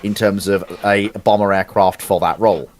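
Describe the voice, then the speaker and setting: A man's voice: on the low side, little pitch movement, moderate pace, crowd noise. A man in a live debate on military procurement, earnestly building his argument step by step.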